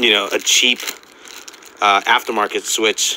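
Light background noise sits behind a man speaking at a moderate pace. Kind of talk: tutorial. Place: street.

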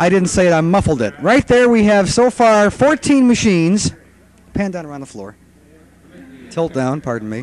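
A man with an American accent and a high pitch makes very wide pitch swings and big swings in loudness, pausing long and often, in a dry sound with no echo. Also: moderate pace. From US Midwest. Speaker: video collector introducing attendees. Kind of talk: casual emceeing on home video. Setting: hotel ballroom convention, on camera. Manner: enthusiastic, announcer-like. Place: meeting room. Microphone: old recording.

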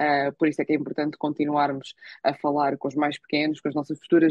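Recorded dry with no echo against a quiet background, a woman speaks in a very deep, low pitch. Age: 20s. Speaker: victim advocacy association founder; webinar panelist. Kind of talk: panel discussion. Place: home room. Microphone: video call.

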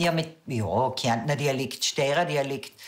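Her voice is very deep and low, and this woman shows ordinary pitch variation. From Carinthia, Austria. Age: 50s. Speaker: retired hairdresser. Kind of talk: interview answer. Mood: cheerful, confident. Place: home room.

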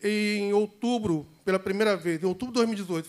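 A man's voice with a high pitch. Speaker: samba circle organizer. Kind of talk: public hearing speech. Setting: legislative hearing room. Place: meeting room. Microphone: handheld.

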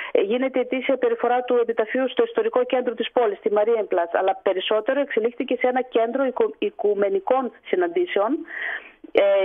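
A woman talks at a fairly quick pace with a fairly high pitch. She has an ordinary speaking voice and lively intonation. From Greece, Thessaly (Trikala). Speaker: author and archaeologist. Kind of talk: interview.

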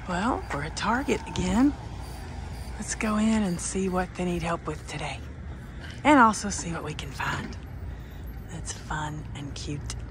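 A woman with a Southern US accent speaks at a fairly slow pace. Her loudness swings widely, and her pauses are long and frequent. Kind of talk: ASMR roleplay. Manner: whispered, soft-spoken.

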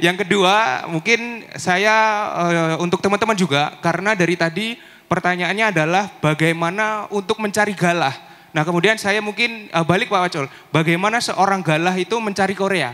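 Speaking at a fairly quick pace in a raised, projected voice, a man holds a high pitch with ordinary pitch variation and very even loudness. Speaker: university student; audience member. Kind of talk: audience question. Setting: stage with audience. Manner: halting. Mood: polite, respectful. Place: hall. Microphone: handheld.

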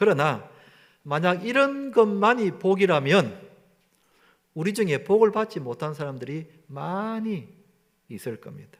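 The pace is fairly slow, with very wide pitch swings. The recording is very clean, over a silent background. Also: man. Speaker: pastor. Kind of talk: sermon.

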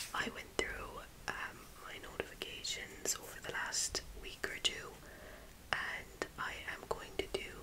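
Someone whispers at a fairly slow pace. Long pauses come often. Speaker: ASMR creator. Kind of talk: ASMR personal attention roleplay. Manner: whispered, soft-spoken. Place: home room.

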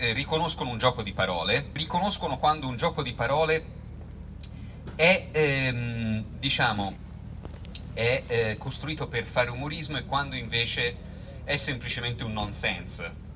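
A man talks fairly slowly, pausing often and at length, against noticeable background noise. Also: medium pitch for a man, lively intonation. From Tuscany, Pisa. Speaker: chemist and crime novelist. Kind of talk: public talk. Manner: hesitant with fillers.

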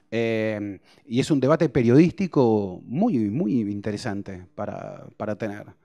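Against a quiet background, a man with a dark, mellow tone talks at a fairly slow pace with ordinary pitch variation. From Argentina. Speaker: sports journalist. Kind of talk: panel talk. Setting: auditorium with audience. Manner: halting, many repetitions and fillers. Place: hall. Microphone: handheld.

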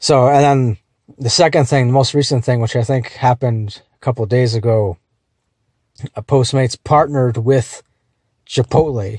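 A somewhat breathy man's voice, dark and mellow in tone, with fairly even intonation at a moderate pace, dry with no echo against a quiet background. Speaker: delivery driver vlogger. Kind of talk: casual vlog chat. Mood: relaxed, explanatory. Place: car. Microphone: phone near.

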